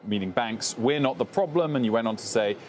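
A young male TV business anchor asking brisk, probing questions in an interview on a trading floor. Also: medium pitch, a little mellow, a little hiss or hum. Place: trading floor TV studio, indoors.

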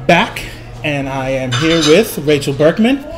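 An upbeat host runs a casual interview and keeps prodding her guest for more. Her voice sits on the lower side. Faint music can be heard in the background. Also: animated, a little slow. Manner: upbeat, prodding, repeats "all right".

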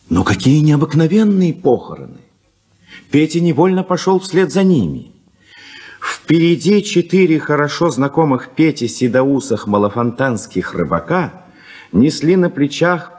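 A man narrating a 1950s radio play in a slow, measured storytelling manner, heard as an old radio recording. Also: medium pitch, a little mellow, slightly rough.

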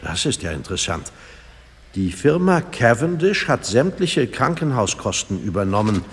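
An actor playing a stern, dutiful police detective in an audio drama, gruff and businesslike. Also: male voice, mid-range voice, very animated, moderate pace. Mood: intent, businesslike. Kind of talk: German audio drama acting. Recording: reverberant sound with background noise.

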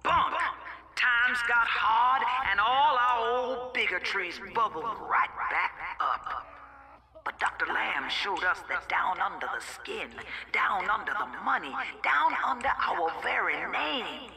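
An old female cult zealot from a video game, bitter and devout. She delivers slow, threatening sermons. Noisy ambience sits around her voice. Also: medium pitch, expressive, creaky, bright, forceful tone, heavily acted. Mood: fervent preaching. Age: older. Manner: slow, preachy, menacing delivery. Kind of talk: video game villain monologue.

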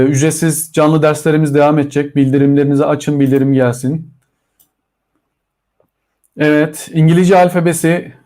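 A man with a Turkish accent teaching a live online English lesson to children, drawing out model phrases slowly. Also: a little high, mellow.

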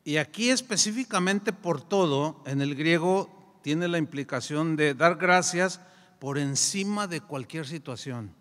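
A man with a Mexican accent preaching a sermon, telling a story with lively acted-out dialogue. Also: a little high, a little slow. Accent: Mexican Spanish. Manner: animated storyteller, acts out dialogue. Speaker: pastor. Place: church sanctuary. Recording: long church hall reverb.

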